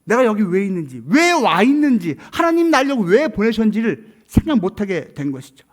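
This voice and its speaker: A male pastor preaching a sermon and telling a story, swinging from loud exclamations to near-whispers. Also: high voice, big pitch swings, fairly quick.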